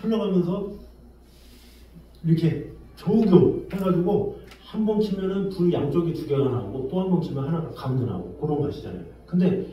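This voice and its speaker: A man preaching a sermon, telling an everyday story with lively exclamations and then drawing a lesson from it. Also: fairly high pitch, fairly quick, highs cut off, slight background noise. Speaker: pastor. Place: church sanctuary. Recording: very echoey, distant from the mic.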